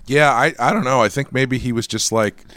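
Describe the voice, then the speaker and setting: A man's voice: medium pitch, normal speed, sharp tone, no echo. A man co-hosting a podcast in casual chat, hesitant and often restarting his sentences. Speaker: podcast co-host.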